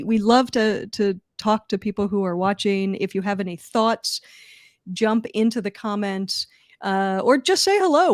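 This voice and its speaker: A woman with a Philadelphia accent talks in a chatty, self-deprecating way and laughs easily. She co-hosts a casual livestream from her home office. The sound is close and dry, with no room echo. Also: fairly high pitch. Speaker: co-host.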